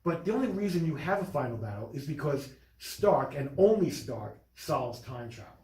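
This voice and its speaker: A man's voice: on the high side, sing-song, moderate pace, darkish tone. A man hosting a casual film discussion, speaking in an emphatic, opinionated way. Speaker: podcast host reviewing films. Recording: roomy echo.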